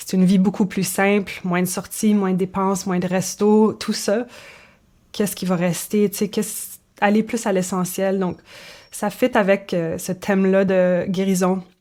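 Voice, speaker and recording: A woman speaks at a medium pitch in a flat, monotone delivery, at a fairly slow pace. The recording is very clean, with a silent background. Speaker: folk singer-songwriter. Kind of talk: interview, conversational. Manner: hesitant, many fillers and repetitions.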